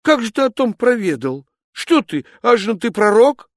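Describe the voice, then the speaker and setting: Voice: mid-range voice, big pitch swings, normal speed, dry recording, clean studio sound, pitched above the performer's own voice. A reader voicing a young peasant lad who protests and pleads in a raised voice in a storybook verse tale. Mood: protesting.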